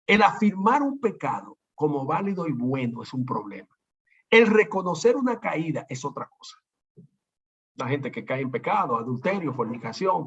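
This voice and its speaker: Husky-voiced preaching man, dull recording. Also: mid-range voice. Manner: animated, voices quoted people. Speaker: pastor. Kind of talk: preaching talk. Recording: dull lo-fi sound.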